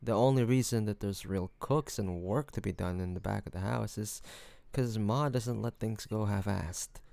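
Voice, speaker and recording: A man playing a charming, hospitable mafia boss in an intimate audio roleplay, talking in a relaxed, playful, teasing way to one listener. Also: lowish voice, moderate pace, creaky, dry recording. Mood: wry, nostalgic. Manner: relaxed, playful storytelling with frequent soft chuckles.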